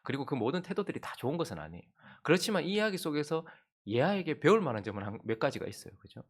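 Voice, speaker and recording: Animated male pastor telling a story. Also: on the high side, racing. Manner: animated storytelling, addresses the congregation. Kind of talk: anecdotal dawn-service sermon.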